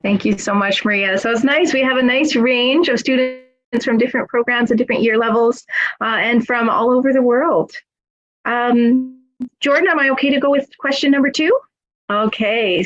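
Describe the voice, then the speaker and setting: A woman's voice: on the high side, lo-fi sound. A woman moderating an online student panel in a friendly, encouraging way. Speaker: webinar moderator.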